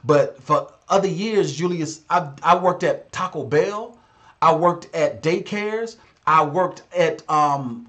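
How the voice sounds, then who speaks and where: A man's voice: a little high, fairly bright tone. A man in his thirties, a business consultant giving blunt, exhorting advice on a live stream and repeating phrases for emphasis. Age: 30s.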